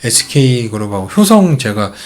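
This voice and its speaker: A middle-aged man walks through stock charts in a casual, chatty way, leaning on fillers as he goes. His pitch swings freely, rising and falling as he makes each point. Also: sing-song, normal speed. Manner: explains charts step by step with many fillers. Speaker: stock channel host. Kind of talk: casual stock market commentary.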